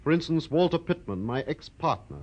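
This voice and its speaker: A man's voice: on the high side, animated, fairly quick, dull audio. Wheezy, nervous businessman. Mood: anxious, explaining. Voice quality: wheezy, coughing smoker's voice. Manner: nervous, urgent, fussily polite. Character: anxious, fussy, wheezing male cosmetics businessman. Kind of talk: 1940s radio drama acting. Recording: noisy vintage 1940s radio broadcast.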